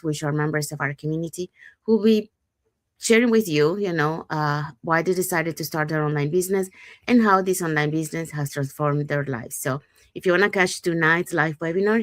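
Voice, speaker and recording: A woman's voice: low voice, brisk, no echo, studio quality. A woman from Panama, co-hosting a show and inviting viewers in an upbeat, repeating way. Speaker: co-host. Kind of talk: scripted show promotion.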